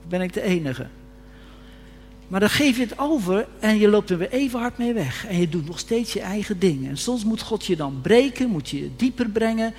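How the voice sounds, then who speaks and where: A man's voice: high voice, lively intonation, normal speed, a little mellow, faint music behind. A man preaching a sermon earnestly, often rising to fervent emphasis, recorded in a reverberant church hall. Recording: reverberant hall with faint hum.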